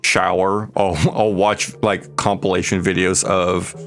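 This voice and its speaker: A man co-hosting a podcast in casual, emphatic conversation with a gravelly, creaky voice. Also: sits low, level tone, unhurried, soft background music. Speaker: podcast co-host.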